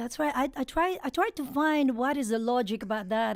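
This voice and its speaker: Recorded very cleanly against a silent background, a woman with a Filipino accent speaks at a moderate pace in a high pitch with lively intonation. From Philippines. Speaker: singer. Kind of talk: interview.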